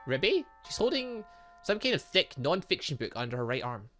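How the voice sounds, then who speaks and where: Soft background music accompanies this man's bright, forceful voice, which sits on the high side with big pitch swings and a brisk pace. He's a gaming host casually playing a visual novel, reading game text aloud, chatting, and muttering to himself as he thinks.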